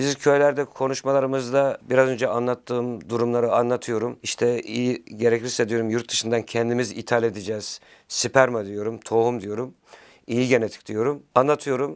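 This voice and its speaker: A man speaks at a moderate pace with a normal speaking voice. His pitch is medium. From Turkey, Balıkesir countryside. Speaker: veterinarian and livestock farmer, association candidate. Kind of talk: interview.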